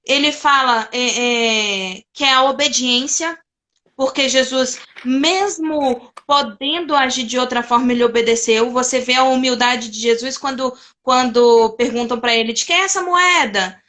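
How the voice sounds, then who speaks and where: A woman's voice: sits high, fairly even intonation, a little slow, fairly bright tone. A woman in a casual devotional chat on a video call, retelling scripture with many restarts. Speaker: participant in a Bible discussion.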